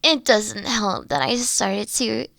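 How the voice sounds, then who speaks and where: Tender, teasing young queen woman acting, mature beyond her years, very unhurried delivery, intimate dry sound, roleplay audio. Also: a little high, no room sound, heavily acted. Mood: warm, playful. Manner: slow, soft-spoken, drifting into breathy whispers. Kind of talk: scripted roleplay audio drama, intimate one-on-one.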